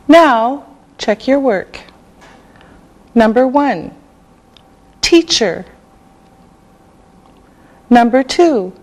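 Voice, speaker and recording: Very slow, carefully enunciating woman teacher. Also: fairly high pitch. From Canada. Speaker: English teacher. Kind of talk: scripted language lesson.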